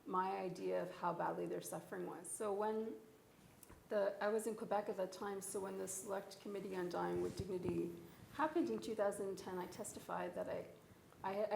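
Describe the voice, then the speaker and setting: A woman in her forties speaks on a panel as a physician, earnest and reflective, pausing often. Her voice has a gravelly texture. The room around her is echoey, with a faint hiss underneath. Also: mid-range voice, darkish tone. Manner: earnest, reflective, with frequent ums. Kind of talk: panel discussion, personal account.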